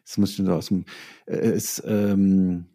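Mellow, low-voiced man chatting hesitantly. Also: little pitch movement, measured pace. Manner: hesitant, searching for words as he goes. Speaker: interview guest, author. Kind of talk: casual chat.

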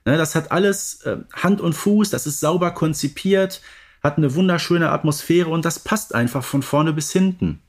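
A man's voice: on the high side, moderate pace. A man co-hosting a podcast, talking casually and conversationally. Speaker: podcast co-host. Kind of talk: casual podcast chat about audio dramas.

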